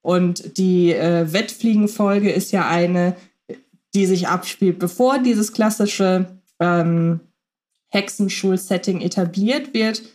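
A woman's voice: on the low side, slow pace, darkish tone. A woman co-hosting a podcast, talking through her thoughts in casual analytical chat, with frequent filler sounds and hesitations. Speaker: podcast co-host.

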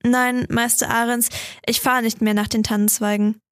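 A woman voicing an embarrassed poor man who speaks in hurried, halting bursts. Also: on the high side, level tone, no echo, clean studio sound, close to an everyday voice.

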